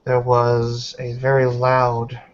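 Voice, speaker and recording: A man playing a stern elderly tribal matriarch in a roleplay game, speaking formally in deliberate, halting phrases. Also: medium pitch, completely flat delivery, close to an everyday voice. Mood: grave, stern. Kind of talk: tabletop roleplay in character. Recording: dull online call with background noise.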